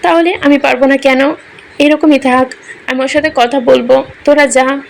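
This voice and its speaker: A woman's voice: high-pitched, fairly even intonation, normal speed, gravelly. A woman reading the lines of a grief-stricken young father who lashes out in bitter accusations, in a romantic story reading. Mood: frantic.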